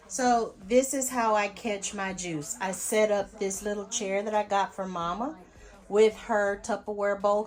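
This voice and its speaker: A woman's voice: medium pitch, a little mellow. A woman vlogger speaking in a casual, folksy instructional way, addressing her viewers directly as she explains things step by step. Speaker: homesteading vlogger demonstrating home canning.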